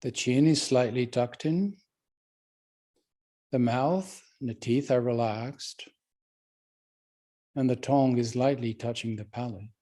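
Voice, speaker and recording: A man leading a guided meditation as a teacher, speaking calmly and gently with unhurried pauses. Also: mid-range voice.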